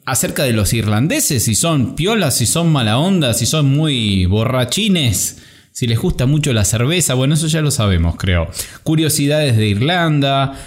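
Guy doing his channel intro, bouncy pitch, jokey little asides. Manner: upbeat, playful asides to viewers. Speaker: show host.

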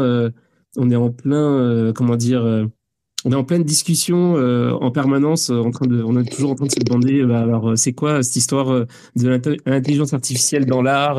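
A man's voice: mid-range voice, mellow. A man hosting a podcast, rambling and hesitating a lot as he speaks. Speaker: podcast host. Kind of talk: casual interview talk.

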